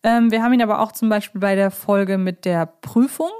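A woman's voice: medium pitch, steady tone, fairly quick, a little mellow, smooth. A woman hosting a podcast, talking casually and thoughtfully about fictional characters and searching for her words as she goes. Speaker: podcast host. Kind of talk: casual discussion of audio drama characters.

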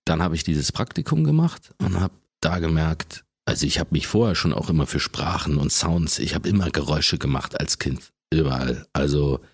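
A man in his forties with an extremely deep bass voice, telling stories casually as the guest in an interview. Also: animated, moderate pace, hardly any pauses, slightly rough, no echo. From Germany.

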